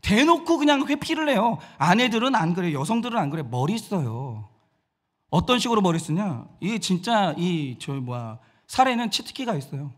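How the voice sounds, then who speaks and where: A man's voice: high voice, moderate pace. A man preaching a sermon as pastor, posing questions to the congregation and acting out voices. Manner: animated, acts out quoted voices.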